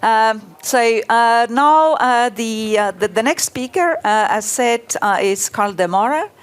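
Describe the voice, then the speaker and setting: A woman's voice: fairly high pitch, animated, takes it slowly. A woman from Estonia moderating a panel discussion, speaking hesitantly with many filler sounds.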